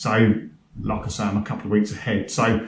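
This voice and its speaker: A man with a fairly low, somewhat breathy voice is heard with audible room echo and light background noise. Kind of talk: casual vlog chat. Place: garage. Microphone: camera far.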